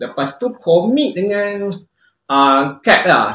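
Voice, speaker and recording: There is audible room echo around a man whose intonation is lively. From Malaysia, Temerloh, Pahang; Malaysia. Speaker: vlogger. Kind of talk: casual chat. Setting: home kitchen. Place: home room. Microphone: phone near.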